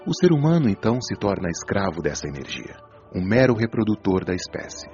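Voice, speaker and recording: Male actor for wise spirit mentor in audio drama; deep-leaning, didactic, patient; lo-fi sound with music behind. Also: big pitch swings, darkish tone. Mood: solemn explaining. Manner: didactic, measured, solemn explanation. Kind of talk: audiobook radio drama acting. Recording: dull lo-fi audio over music.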